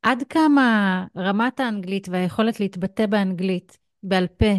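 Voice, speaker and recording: A woman's voice: medium pitch, no room sound, studio quality. A woman with an Israeli accent hosting a conversational podcast interview. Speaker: podcast host.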